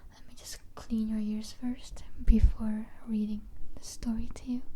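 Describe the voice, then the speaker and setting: Soft-spoken and monotone, with flat intonation, a woman talks at a very slow pace over noticeable background noise. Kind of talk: casual ASMR talk to listener. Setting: studio, binaural microphone recording.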